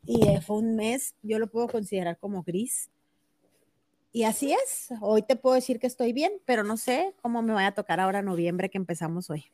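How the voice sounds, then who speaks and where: A woman co-hosting a podcast as the mother of a disabled child, talking in a casual chat and retelling conversations with animated, emotional feeling. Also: medium pitch, normal speed.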